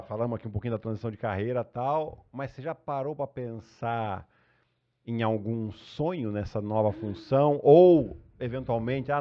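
A man co-hosting a podcast who asks long questions in a measured, casual way. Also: medium pitch. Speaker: podcast co-host. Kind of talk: casual chat. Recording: slightly dull sound.

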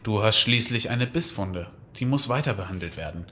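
An actor playing a tired, caring boyfriend in a German radio play. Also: male voice, fairly low pitch, lively intonation, normal speed, bright, forceful tone, slight background noise. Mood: concerned.

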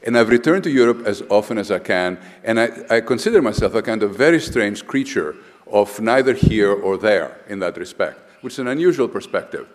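An older man from Greece lectures from a lectern in a large hall, his voice trailing into a long reverb. He speaks in a lowish register and talks emphatically, stumbling over restarts and repeated words. The sound comes from a live conference recording. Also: expressive, brisk. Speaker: architect giving a conference lecture.

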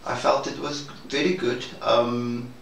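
A man speaking in a measured, hesitant and formal way in a reflective debrief conversation. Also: mid-range voice, level tone, creaky, a bit bright. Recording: roomy, distant mic, faint noise.

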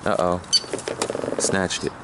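A man in a kayak on a reedy lake, patiently coaching a companion through catching and handling fish, recorded on a head-mounted camera. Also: slow. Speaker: angler teaching a companion to fish. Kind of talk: casual outdoor chat. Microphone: head-mounted action camera. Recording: noisy outdoor camera audio.

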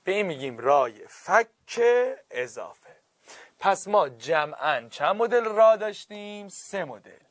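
Lively male teacher explaining grammar. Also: high-pitched, no echo. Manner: stretches words slowly for emphasis, asks students checking questions. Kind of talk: classroom grammar lesson.

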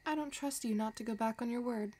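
A woman playing a possessive, scheming villain in a romantic audio roleplay, talking in a soft, teasing, calculating way. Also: fairly high pitch, fast, lightly acted. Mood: wary, impatient. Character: possessive, scheming female villain obsessed with her crush.

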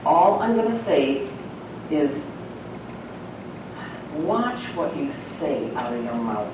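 A woman's voice: deep voice, very animated, slow pace, background noise. A woman teaching the Bible to a church congregation in a folksy, chatty way, laughing often. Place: church sanctuary. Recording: echoey church hall from far off.

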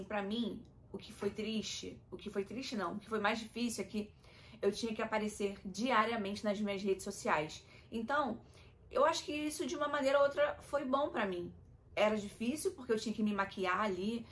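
Young woman, Brazilian Portuguese accent, vlogger, emotional, confiding, personal chat to viewers. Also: medium pitch. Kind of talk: candid personal vlog talk.

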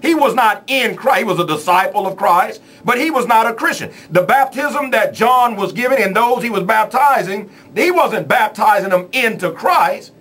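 A man's voice: high voice, lively intonation, normal speed, hardly any pauses, a bit bright. A man preaching on a church radio show in a small studio, emphatic with a preacher's cadence. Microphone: studio mic.

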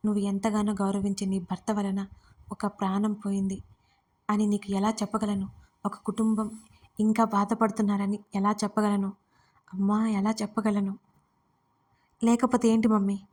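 An irritated young man snaps blunt complaints about his father , as a woman storyteller reads his lines. The tone is mellow and dark, and the pitch stays flat even as he grumbles. The scene plays out in a spoken storybook. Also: natural voice. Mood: pained. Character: angry grown son, blunt and resentful.

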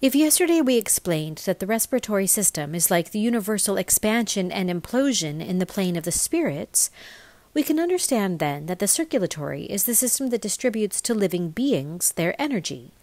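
A woman reads scripted narration as a voice-over. Her mid-pitched voice moves up and down in a lively way while she enunciates in a measured manner. The sound is dry, with very little room in it. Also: dry recording. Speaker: voice-over reader. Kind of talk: scripted narration of a spiritual explainer, read aloud.

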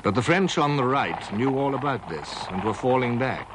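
A man narrating a documentary in a measured, formal way, in an old 1960s broadcast recording. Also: medium pitch, animated, noisy background. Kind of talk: scripted narration.

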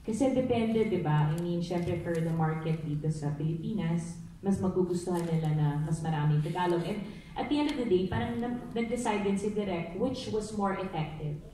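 A woman's voice: on the low side, fairly quick, warm tone, slight background noise. A Filipino actress answering at a press conference, easygoing and switching between English and Tagalog. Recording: echoey hall from far off.

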